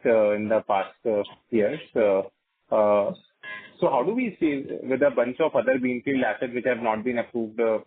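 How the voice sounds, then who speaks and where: A man with an Indian accent, an analyst putting halting questions on an earnings call. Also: mid-range voice, husky. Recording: narrow, tinny phone line.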